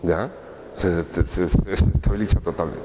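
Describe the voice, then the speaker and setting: A man's voice: sits low, fairly even intonation, moderate pace, mellow. Man lecturing in an echoey hall. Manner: conversational, asks rhetorical questions with tag checks. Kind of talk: course lecture. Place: lecture room. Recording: echoey hall, faint room noise.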